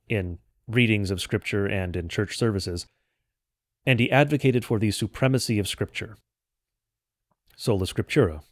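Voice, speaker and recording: A man delivering an explanatory history lecture in a measured, didactic way with formal phrasing. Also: lowish voice, dry recording. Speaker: host of a church history podcast. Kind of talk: explanatory lecture, semi-scripted narration.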